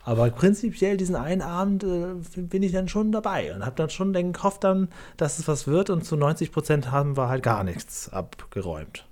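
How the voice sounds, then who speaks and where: A man's voice: a little high, sing-song, normal speed, few pauses, a little mellow. A man hosting a casual conversation, rambling and wry, often correcting himself mid-sentence. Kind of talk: casual chat.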